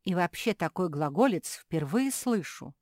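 Casting: woman reader as prim, proper creature lady, measured. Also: lowish voice, expressive, darkish tone, no room sound, studio quality, pitched above the performer's own voice.

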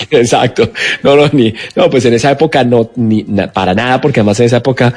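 A man from Colombia, an actor in his forties, chatting in a relaxed way on a radio interview, with many restarts. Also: medium pitch, fairly quick, husky. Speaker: guest actor. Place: radio studio.

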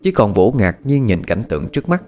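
A man narrating a dramatic story in an expressive, measured voice. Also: fairly low pitch. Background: faint background music.

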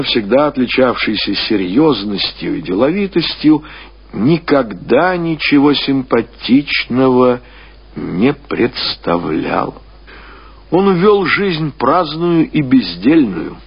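A man reading classic fiction as a narrator, in measured, expressive storytelling with deliberate pauses. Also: medium pitch, breathy edge. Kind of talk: scripted literary narration. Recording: dull, lo-fi radio-style recording.

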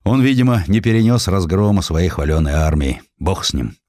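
A man voicing a weary, blunt middle-aged general in an audiobook, speaking in a grave, gruff, commanding manner. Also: deep voice, expressive, moderate pace, a little mellow, no echo, clean studio sound. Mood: pitying.

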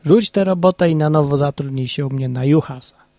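A man voicing a gruff old highland shepherd boss in a Polish highlander dialect, loud and exclaiming. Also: fairly quick, no room sound, lightly acted.

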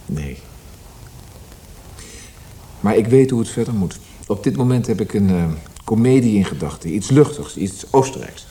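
An actor in a radio play voicing a sombre, evasive poet, speaking in a subdued, brooding, hesitant way. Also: male voice, fairly low pitch, expressive, moderate pace, long pauses, mellow. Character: sombre, evasive male Viennese poet visiting his dying friend.

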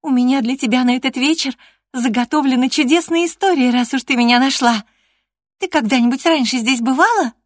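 A woman voicing a capricious thirteen-year-old girl, high and whining, in a storybook reading. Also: brisk, no echo, studio quality, natural voice. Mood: merry, whining. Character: spirited young girl of thirteen, capricious and playful.

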